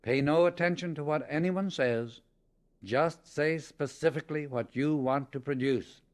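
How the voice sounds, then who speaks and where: A man narrating a scripted spiritual audiobook in a measured, emphatic, instructional manner. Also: fairly high pitch.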